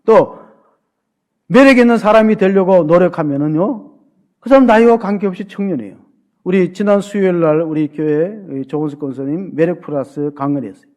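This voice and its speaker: A male pastor preaching in a church sanctuary, with a voice that sits high for a man. He keeps the tone chatty and funny and turns to the congregation with questions. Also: a little fast, darkish tone. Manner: conversational and humorous, questions the congregation. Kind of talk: sermon.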